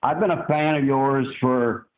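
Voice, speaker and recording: A man's voice: mid-range voice, a little slow. A man calling in to a live show, heard over a phone line, talking in a rambling, candid way with fillers. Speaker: caller to a live fan show. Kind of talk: casual call-in chat.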